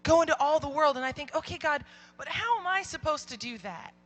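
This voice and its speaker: A young woman Christian speaker with a very loud voice, telling a story to a youth audience and acting out the people in it. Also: high-pitched, brisk. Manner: animated, acts out quoted voices.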